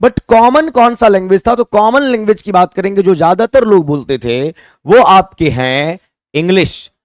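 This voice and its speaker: This expressive teacher's voice sits high, recorded cleanly in a studio with no echo, and he speaks at a normal pace. With a Hindi-speaking Indian accent, he blends Hindi and English in an exam-prep English lesson, spelling out words letter by letter and inviting viewers to post answers in the comments.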